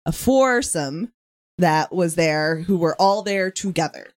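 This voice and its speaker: A woman's voice: on the low side, lively intonation, takes it slowly. A woman with an American accent co-hosting a podcast in casual chat, talking with lots of fillers and frequent laughs. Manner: chatty, giggly, many fillers. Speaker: podcast co-host.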